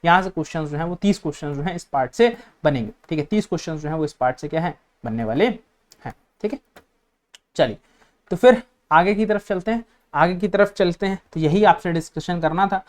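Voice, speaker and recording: A man's voice: on the high side, lively intonation, a little fast. A man from India teaching an online exam-prep lecture, explaining directly to students and running through lists of topics while repeating a filler phrase as he goes. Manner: lists topics, repeats "theek hai" constantly, mixes English terms.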